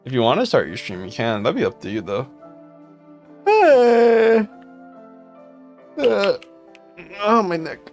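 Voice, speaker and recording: A young man with a deep voice, casually chatting with viewers on a live stream. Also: big pitch swings, slow, long pauses. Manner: laid-back, rambling, chatting to viewers. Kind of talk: casual live stream chat, reading comments. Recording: faint music in background.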